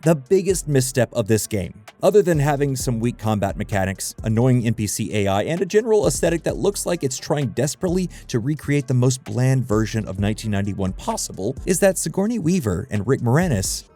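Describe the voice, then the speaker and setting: Man, video essay narrator, relaxed tone, animated intonation, wry and conversational, music behind. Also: medium pitch, brisk, hardly any pauses. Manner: wry, conversational, dryly humorous asides. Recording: music bed under the voice. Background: background music.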